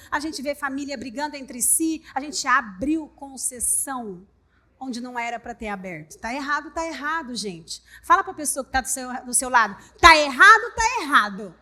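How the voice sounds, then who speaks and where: A woman's voice: high voice, bright, forceful tone. A woman pastor with a Brazilian Portuguese accent preaching a sermon, emphatic and repetitive, speaking straight to her congregation. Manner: emphatic, repeats phrases, addresses congregation directly.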